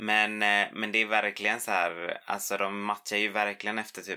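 The voice moves at a fairly quick pace with a bright, sharp tone. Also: man. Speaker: podcast host. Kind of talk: casual chat. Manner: animated.

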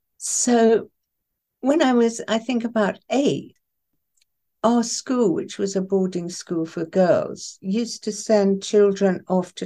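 A woman with a British accent and a dark, mellow tone, at a very slow pace with ordinary pitch variation. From Iran, raised in England from age six. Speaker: poet and mentor. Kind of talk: interview.

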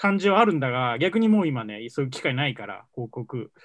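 Very wide swings in pitch mark a man's speech at a moderate speed. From Japan, Gunma. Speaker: advertising planner, podcast co-host. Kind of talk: casual chat. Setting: remote call.

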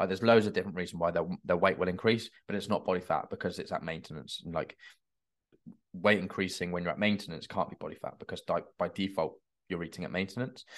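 A man with an English accent talks at a very fast pace. The background is quiet. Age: 30s. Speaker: fitness coach. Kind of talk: solo podcast monologue. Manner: casual, rambling with fillers.

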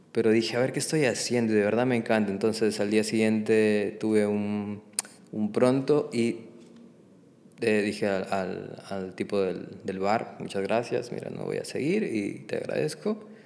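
Amid audible room echo, a man with a fairly low pitch speaks at a moderate pace and with fairly even intonation. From Ecuador, Loja; moved to Madrid at 14. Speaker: tattoo artist. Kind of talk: interview.

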